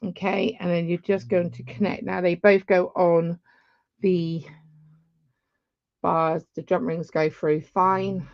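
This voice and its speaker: A woman's voice: lowish voice, level tone, slow pace, long pauses, no echo, highs cut off. Chatty woman teaching beading. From England. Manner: chatty, rambling asides. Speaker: beading tutor. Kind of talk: live craft tutorial.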